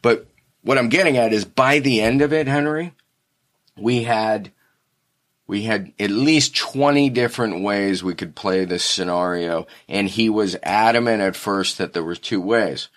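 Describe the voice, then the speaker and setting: A man's voice: fairly low pitch, a little slow, fairly bright tone. A man in casual conversation, telling a rambling story and restarting his sentences often. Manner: rambling, self-correcting storyteller.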